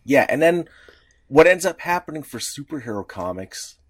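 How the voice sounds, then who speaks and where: A man's voice: a little high, very animated, normal speed. A man co-hosting a podcast, talking casually in rambling, restarting sentences. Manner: rambling, lots of likes and restarts, laughs often. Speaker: podcast co-host. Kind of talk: casual chat.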